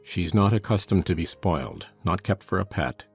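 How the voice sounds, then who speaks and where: Man voicing a surly landlord, growling, deep, husky, low and forceful. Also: animated, normal speed, faint music behind, full character voice. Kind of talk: dramatized audiobook reading.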